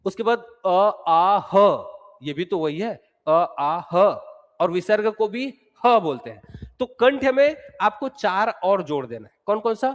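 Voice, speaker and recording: A man's voice: high-pitched, lively intonation, slow pace. A male teacher giving an exam-prep lecture, explaining step by step and repeating sounds aloud to drill them. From Chhattisgarh, India. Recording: long hall reverb.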